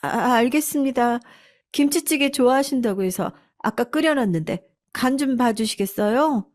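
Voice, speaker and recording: A woman's voice: fairly high pitch, expressive, normal speed, pitched above the performer's own voice, close to an everyday voice. A woman playing a meek apologetic housekeeper. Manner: polite, apologetic.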